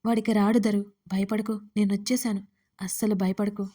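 A woman's voice: medium pitch, level tone, moderate pace, warm tone, natural voice. A woman voicing a protective, hot-tempered young man in an audio story, talking in an insistent, scolding way. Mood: soothing.

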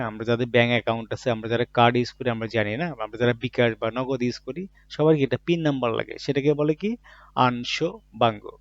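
A man's voice: medium pitch, dry recording. A man teaching Japanese vocabulary. He says each word, then explains it with everyday examples, often asking a question and answering it himself. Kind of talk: vocabulary lesson in Bangla. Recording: dull, muffled recording in a dry room.

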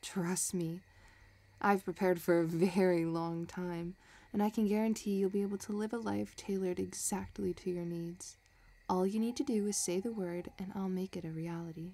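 Woman acting a mellow, possessive villainess. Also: on the low side, steady tone, moderate pace. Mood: intimate, possessive. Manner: teasing, soft, calculating. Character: possessive, scheming female villain obsessed with her crush. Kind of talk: romantic audio roleplay acting.

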